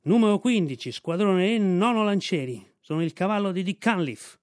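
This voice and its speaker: A man's voice: sits high, expressive, normal speed, dry recording, clean studio sound, pitched above the performer's own voice. A man voicing a proud, huffy male cavalry horse who speaks indignantly and formally in a storybook reading.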